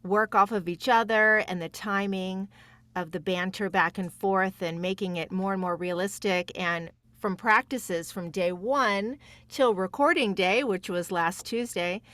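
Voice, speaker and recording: Female podcast guest, mid-pitched, chatty and effusive, recorded close and dry. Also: fairly bright tone, no echo. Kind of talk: casual chat.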